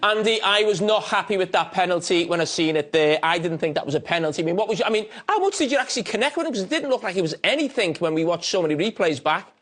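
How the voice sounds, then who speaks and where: A man's voice: high-pitched, animated, quick pace, hardly any pauses, fairly bright tone. A man pundit in a football studio, teasing and blunt in his questions.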